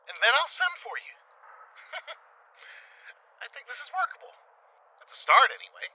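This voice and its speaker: High-voiced, earnest young sweetheart over radio. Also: male voice, big pitch swings, measured pace, heavily acted. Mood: excited, hopeful. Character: earnest, eager young man leaving a message for his sweetheart. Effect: radio-message filter. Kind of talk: full-cast audio drama acting. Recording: thin, phone-like radio message, distant.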